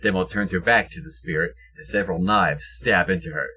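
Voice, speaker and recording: A man's voice: low voice, brisk, bright, forceful tone, slightly rough. A man reading scripted present-tense action narration for an audio drama.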